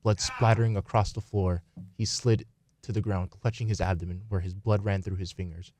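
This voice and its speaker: A man's voice: deep voice, steady tone, moderate pace, darkish tone. A man reading scripted story narration as the narrator of a radio play.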